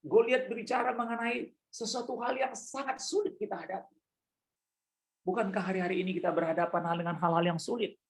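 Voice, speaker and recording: A man's voice: high voice, gravelly, rough recording. A male pastor preaching a sermon in church, emphatic and repetitive, addressing the congregation directly.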